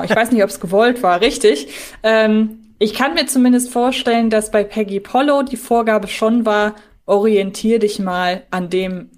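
A woman co-hosting a podcast in casual discussion, reflective and thinking aloud. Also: mid-range voice. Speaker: podcast co-host. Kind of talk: casual discussion of an audio drama series.

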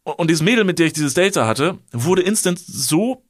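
A young man co-hosting a podcast, telling a story in an animated, colloquial, self-mocking way. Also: a little high, normal speed, background noise. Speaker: podcast co-host.

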